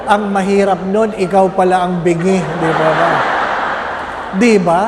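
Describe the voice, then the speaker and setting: Slow, joking priest in an echoey church. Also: male voice, sits high, little pitch movement, very noisy. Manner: humorous storytelling with constant tag questions to the congregation. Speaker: Catholic priest. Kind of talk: sermon.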